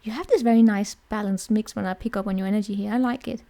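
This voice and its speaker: A woman's voice: medium pitch, fairly even intonation, fast, dark tone. A woman giving a casual tarot reading in a chatty, rambling way, often checking in with the listener. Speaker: tarot reader.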